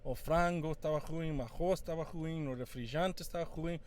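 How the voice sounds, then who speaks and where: A man's voice: a little high, a little hiss or hum. Man teaching in Portuguese. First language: English. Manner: switches between English and Portuguese, halting with fillers. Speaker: English teacher. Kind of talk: bilingual English lesson.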